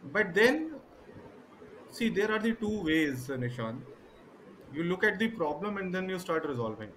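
A man's voice: high voice, very animated, unhurried, fairly bright tone, slight background noise. A man with a North Indian accent explaining things in an interview, emphatic, repeating his points and checking in as he goes. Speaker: podcast guest. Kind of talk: explanatory interview talk mixing English and Hindi.

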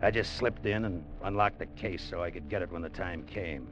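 An actor playing a scheming sailor who plots to take a salvaged treasure, narrating in tough first person, 1940s radio acting. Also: male voice, low-pitched, brisk, noisy background, close to an everyday voice. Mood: brooding. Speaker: narrator and lead character. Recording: muffled old radio broadcast with music.

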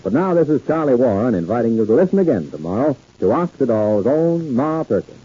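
A man's voice: mid-range voice, very animated, brisk, dark tone, slightly rough. A man working as an old radio announcer, reading scripted copy in a polished, emphatic sales manner. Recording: dull 1950s radio recording.

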